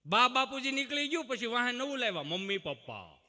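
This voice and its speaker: A man tells folk comedy stories from a stage, high-voiced and very bright. He lectures his audience in a folksy, preachy way and breaks into mock shouts. His voice rings with a long hall reverb. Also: quick pace. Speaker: comic storyteller.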